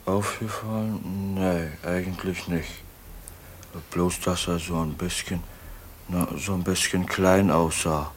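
An actor playing a simple, deferential village servant in a radio crime drama, hesitant and colloquial. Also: male voice, low-pitched, fairly even intonation, takes it slowly, slight background noise. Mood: deferential, unsure. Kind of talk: German radio play acting.

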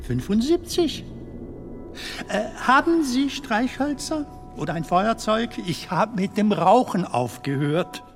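Casting: chatty, nervous comedian in his seventies, radio drama, slow delivery with big swings in pitch. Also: sing-song, soft background music, full character voice. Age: 70s. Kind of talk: radio play acting.

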